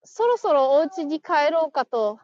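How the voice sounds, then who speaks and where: A woman's voice: sits high, sing-song, a little slow, darkish tone, no room sound, lo-fi sound. A woman hosting a casual live stream, chatting, laughing and reading listener comments aloud as she thanks each viewer. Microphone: phone.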